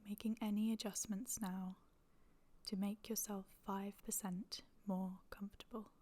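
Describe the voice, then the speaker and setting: A woman leading a guided meditation in a soft, breathy, near-whispered voice, calm and gentle, with long pauses. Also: mid-range voice. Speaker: yoga nidra meditation guide.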